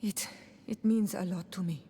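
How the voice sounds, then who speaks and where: A woman's voice: medium pitch, steady tone, normal speed, warm tone, long reverb tail, slight background noise, natural voice. An actress voicing a solemn, devoted young female tribal healer in a video game, with earnest, careful, slightly formal delivery. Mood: solemn, grateful.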